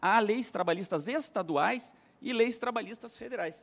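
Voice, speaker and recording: A man with a Paraná accent speaks with very wide pitch swings. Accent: Paraná accent, noticeable. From Paraná, southern Brazil. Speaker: labor law researcher, conference speaker; speaker. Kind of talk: conference talk; lecture. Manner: formal, with frequent filler hesitations. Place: hall. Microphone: podium.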